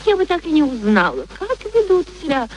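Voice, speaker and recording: A woman's voice: sits high, sing-song, brisk. An actress playing a proud young former street girl turned lady, speaking with mannered, pointed politeness in a radio play. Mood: wounded, pointed. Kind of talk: theatrical radio play acting. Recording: faint background noise, archive radio recording.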